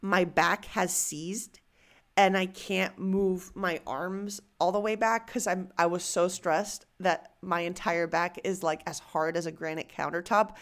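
A young woman co-hosting a casual podcast, an animated storyteller who acts out quotes and wanders off on tangents. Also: on the low side, measured pace. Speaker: podcast co-host.

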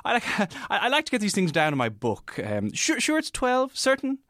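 A man playing an eager, elderly gentleman scholar in an audio drama, fussy and stammering as he repeats himself. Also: high-pitched, wildly swooping pitch, moderate pace, dry recording, clean studio sound, full character voice. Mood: eager, dithering.

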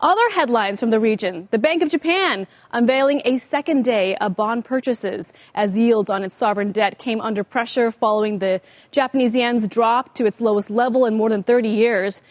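An American woman anchoring a financial broadcast, delivering rapid market news in a brisk broadcast manner. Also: a little high, no room sound. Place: TV news studio.

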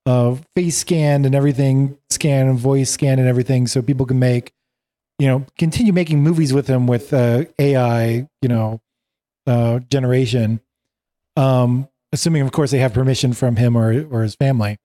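Man, medium pitch, soft mellow tone; chatty, hesitant podcast panelist. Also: steady tone, normal speed. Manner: chatty, hesitant, many fillers. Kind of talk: casual tech news chat.

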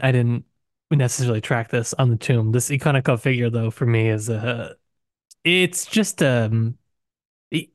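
A man's voice: mid-range voice, a little mellow, no room sound, studio quality. A man co-hosting a podcast, talking casually and discursively about literature, with hedges and asides. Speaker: podcast co-host.

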